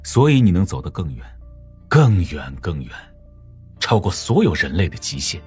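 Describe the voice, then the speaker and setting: Audiobook drama role: cunning older male mastermind, low-pitched, lively swooping delivery, unhurried and teasing. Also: breathy edge, soft background music, exaggerated voice. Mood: wistful, amused.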